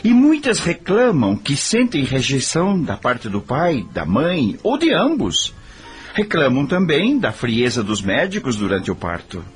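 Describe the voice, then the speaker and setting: An actor playing an idealistic middle-aged Brazilian husband in a radio soap, speaking in an earnest, didactic, persuasive way. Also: male voice, mid-range voice, wildly swooping pitch, a little slow, faint music behind. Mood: explaining.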